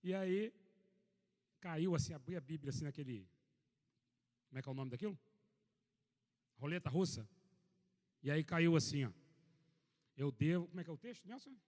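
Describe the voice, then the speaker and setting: A man from Brazil preaching a sermon to a church gathering, reading scripture aloud and telling a funny personal story in an animated, joking way. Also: on the high side, normal speed, pauses often, big-room sound. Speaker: pastor. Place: church meeting hall.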